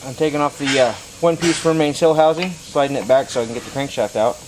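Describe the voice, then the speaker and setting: A man's voice: mid-range voice, fast. Plainspoken man, noisy recording. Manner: plainspoken, informal. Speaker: mechanic demonstrating an engine teardown. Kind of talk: hands-on how-to narration. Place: garage workshop, indoors. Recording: clearly noisy garage recording with clicking.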